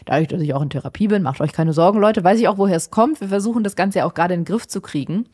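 A young woman co-hosting a podcast, telling personal stories in casual chat with quick laughs. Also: on the low side, breathy edge. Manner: animated storytelling, quick laughs. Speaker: podcast host.

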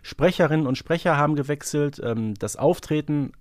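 A man's voice: on the high side, normal speed, no echo, studio quality. A man co-hosting a podcast, talking casually in a reflective, hedging manner. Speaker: podcast co-host.

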